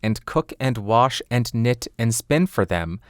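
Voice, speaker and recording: A man's voice: medium pitch, lively intonation, a little slow, no room sound. Man narrating a fairy tale, close dry sound. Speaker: audiobook narrator.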